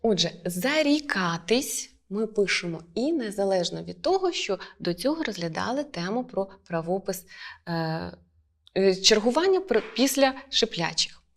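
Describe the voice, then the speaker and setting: A woman teacher talks through a lesson in a clear, measured way. She lays weight on each example word and keeps a steady, even delivery. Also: medium pitch.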